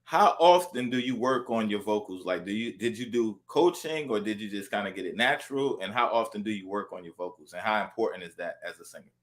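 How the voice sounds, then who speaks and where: A man's voice: fairly low pitch, expressive, fairly quick, few pauses. A man hosting a casual interview, laid-back and upbeat, using slang. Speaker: interview host.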